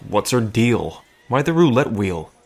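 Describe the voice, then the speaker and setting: A man's voice: medium pitch, big pitch swings, measured pace, breathy edge, heavily acted. A man playing an awkward, wry bartender and reluctant sidekick in an audio drama, hesitant and given to muttered asides. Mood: teasing, resigned. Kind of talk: dramatic audio roleplay acting.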